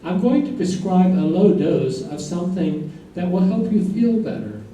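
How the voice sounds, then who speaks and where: Stage play doctor male actor: advising, reassuring, very soft dark tone, lively intonation, distant pickup. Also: sits high, moderate pace. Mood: clinical. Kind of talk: staged reading, doctor's instructions. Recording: very echoey distant stage recording, faint noise.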